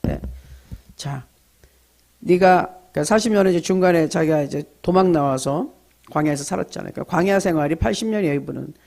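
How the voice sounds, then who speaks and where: A middle-aged man preaches at a dawn prayer service, his voice sitting high for a man. He swings his delivery up and down, throws questions at the congregation and answers them himself, and slips into short quoted lines. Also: quick pace, vocal fry, darkish tone. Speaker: pastor. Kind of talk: early-morning prayer sermon.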